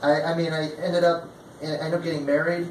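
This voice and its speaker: Through noticeable background noise and audible room echo, a man with an American accent speaks at a high pitch. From Togo, West Africa. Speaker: English school academic director. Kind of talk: interview.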